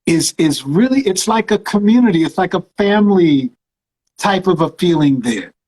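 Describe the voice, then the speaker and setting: A man's voice: high-pitched, animated, moderate pace, darkish tone. Effusive male host in an echoey room. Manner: effusive, calls guest "brother" and "man". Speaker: show host. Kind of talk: live video call interview.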